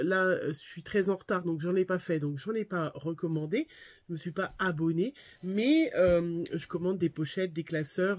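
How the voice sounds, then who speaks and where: A woman's voice: mid-range voice, a little mellow, no echo. A French woman with a head cold, rambling casually through a shopping haul with lots of hesitations. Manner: rambling, many fillers and restarts. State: congested with a cold. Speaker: scrapbooking vlogger. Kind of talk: casual haul chat to viewers.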